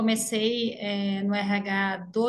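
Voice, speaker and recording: Somewhat breathy, a woman speaks at medium pitch. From southern Brazil (Rio Grande do Sul). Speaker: HR executive. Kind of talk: panel interview.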